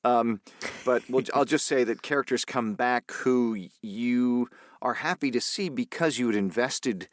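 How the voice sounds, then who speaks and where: A man's voice: medium pitch, a little slow, dry recording, clean studio sound. A man hosting a podcast interview, talking reflectively and often restarting his phrases. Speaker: podcast host. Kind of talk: casual interview chat.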